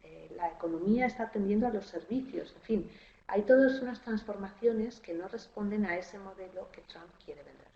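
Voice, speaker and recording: A woman political analyst giving a measured, analytical answer in a webinar over a video call. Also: mid-range voice, dark tone, a little hiss or hum. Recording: roomy, dull online audio.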